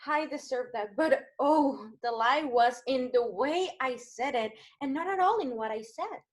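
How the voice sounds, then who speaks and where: A woman's voice: sits high, animated, a little slow. A woman playing an anxious, evasive femme fatale in a 1940s-style radio noir, hesitant and theatrical. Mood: pleading.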